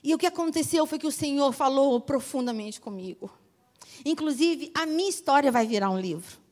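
Very high-voiced Brazilian woman preaching. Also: expressive, fairly quick. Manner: emphatic preaching, repeats phrases, swings from loud to soft. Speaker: pastor. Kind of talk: sermon.

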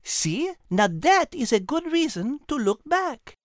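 A man voicing a brilliant, gentle female cat with a French accent, patiently explaining in a children's animal story. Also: very high-pitched, very animated, slow pace, dry recording, studio quality, voice pushed up, full character voice. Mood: fond, approving.

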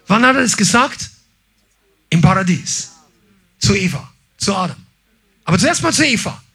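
A man preaching a sermon, animated, often shouting his emphasis and acting out quotes in little voices. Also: sits high, moderate pace, breathy edge. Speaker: pastor.

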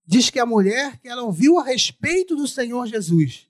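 High-pitched Brazilian man preaching through a face mask. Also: very animated, moderate pace. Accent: Brazilian Portuguese. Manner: repeats phrases for emphasis, acts out dialogue. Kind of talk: sermon.

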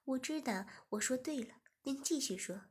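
A woman narrating a first-person story in a low-key, even reading voice. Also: moderate pace, husky. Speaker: story reader.

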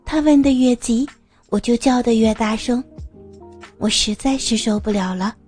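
A woman narrating a first-person adult audio story in an intimate, breathy manner. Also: fairly high pitch, moderate pace, darkish tone, faint music behind.

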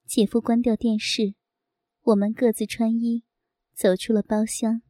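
A woman reading a first-person story aloud in a soft, intimate, unhurried way. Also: on the high side, flat delivery, no echo.

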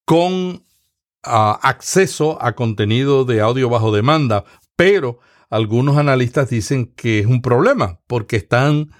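Latin american guy hosting a podcast, explains things slow and steady, lots of restarts, middle pitch. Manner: measured, explanatory, with frequent restarts. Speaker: podcast host. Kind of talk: conversational podcast interview.

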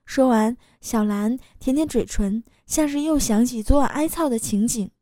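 A woman reading a first-person story aloud in a low-key, relaxed way. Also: normal speed, no room sound, studio quality. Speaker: story reader.

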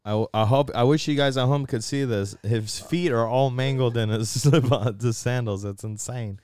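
A man's voice: medium pitch, normal speed, darkish tone, clean tone, no room sound. A young man co-hosting a casual podcast, joking crudely and laughing a lot. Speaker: podcast co-host. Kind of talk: casual chat.

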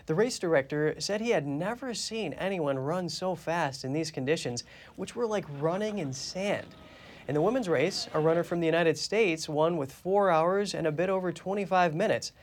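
A male news anchor reads his script in a steady, clear manner. His voice sits a little higher than most men's. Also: moderate pace, slight background noise.

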